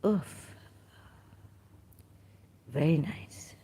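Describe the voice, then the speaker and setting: A woman from Pakistan with a Pakistani accent, talking in a rambling, halting way with many fillers and restarts. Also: low-pitched, lively intonation, dark tone, breathy edge. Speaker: vlogger. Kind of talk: casual monologue, reading aloud at times.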